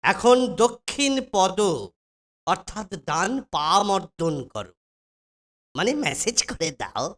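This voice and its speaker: Slow, pompous cartoon guru. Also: medium pitch, sing-song. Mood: pompous, commanding. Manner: pompous, ornate archaic formal speech. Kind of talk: comic cartoon voice acting. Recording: loud background music over the voice.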